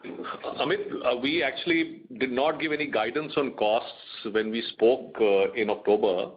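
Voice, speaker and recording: A man with an Indian accent answering questions as a bank executive on an earnings call, in a measured, explanatory way. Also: mid-range voice. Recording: muffled conference call audio.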